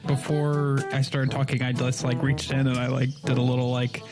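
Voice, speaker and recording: A man's voice: mid-range voice, flat delivery, moderate pace, over loud music. A man playing a tabletop roleplaying game, improvising in-character chat in a hesitant, joking way that repeats words.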